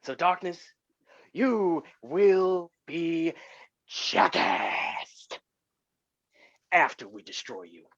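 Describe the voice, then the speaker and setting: A man playing a swaggering hardcore wrestler in a staged promo reading, halting and deliberate, on dull lo-fi audio. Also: fairly high pitch, big pitch swings, fairly bright tone, no echo, heavily acted. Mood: boastful menace. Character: swaggering hardcore wrestler bragging about weapons. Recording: dull, lo-fi, dry close audio.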